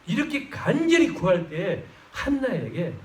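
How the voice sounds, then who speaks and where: Pastor, male, high animated delivery, fervent; roomy church sound, mic at a distance. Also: measured pace. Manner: fervent preaching, swells loud on exclamations. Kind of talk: sermon. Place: church sanctuary.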